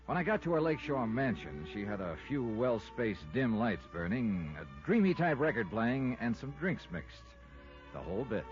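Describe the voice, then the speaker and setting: An American actor playing a tough, wry, skeptical insurance investigator with clipped delivery in 1950s radio style. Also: male voice, medium pitch, very animated, moderate pace, lightly acted. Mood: brisk narrating. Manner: clipped, hardboiled, pointed. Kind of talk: 1950s radio detective acting. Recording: dull vintage radio recording, faint music.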